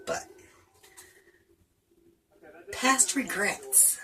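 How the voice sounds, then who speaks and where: A woman's voice: on the low side, sing-song, drawn-out words, bright, forceful tone. A woman in her late thirties with a Southern US accent, chatting casually and laughing often while answering tag questions. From North Carolina. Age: 30s. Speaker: vlogger.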